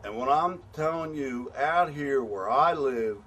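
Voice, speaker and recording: A man's voice: mid-range voice, expressive, unhurried, a bit bright, a little hiss or hum. A middle-aged American man making an impassioned spoken appeal, blunt and angry, pleading and repeating himself with many restarts. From United States. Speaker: patient advocate.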